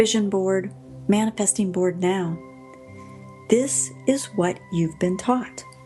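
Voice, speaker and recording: Music plays behind a woman of medium pitch who speaks at a very slow pace in a calm, soothing tone, her pitch varying in an ordinary way. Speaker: radio host and guided meditation guide. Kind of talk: guided meditation narration. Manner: calm, slow, soothing.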